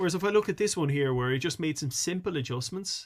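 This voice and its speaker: With an Irish accent and lively intonation, a man speaks on a very clean recording with a silent background. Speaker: lecturer. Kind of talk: tutorial.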